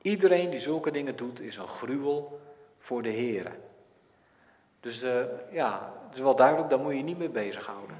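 A man giving an informal Bible talk and reading scripture aloud, explaining in a relaxed, hesitant way with many fillers and tag questions. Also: medium pitch, normal speed, echoey room, big-room sound. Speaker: Bible teacher.

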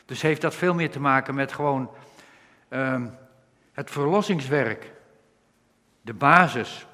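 A man preaching a sermon, earnestly explaining Bible verses and slowing down when he quotes scripture. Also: medium pitch, pushed and bright, long reverb tail.

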